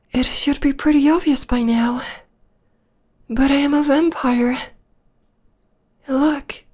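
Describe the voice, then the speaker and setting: A woman voicing a possessive, obsessed young vampire stalker in a breathy, whispery, intimate ASMR roleplay. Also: high-pitched, a little mellow, exaggerated voice. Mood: teasing. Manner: intimate, slow, lingering delivery. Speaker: voice actor.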